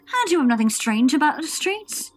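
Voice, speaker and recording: A woman's voice: sits high, very animated, moderate pace, dry recording. A woman acting an uneasy, alert soldier on night watch in a Shakespearean audio drama. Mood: wary.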